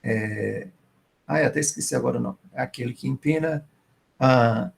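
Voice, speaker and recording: Creaky-voiced writer reminiscing. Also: male voice, medium pitch, normal speed. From Maranhão, Brazil. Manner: reminiscing, warm and grateful. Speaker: writer and professor, guest speaker. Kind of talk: online literary conversation.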